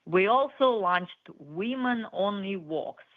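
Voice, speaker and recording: A woman speaks as a chief executive presenting prepared business remarks. Her delivery is measured and formal, at a middling pitch. The sound is slightly muffled, like conference call audio. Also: animated. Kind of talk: scripted corporate earnings presentation.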